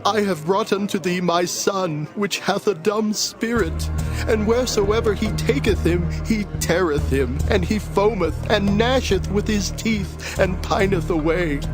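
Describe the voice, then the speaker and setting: An anguished father in a Bible audio drama. His voice is pitched high and he pleads slowly, drawing out his words. Music plays behind him. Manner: slow, drawn-out, pleading.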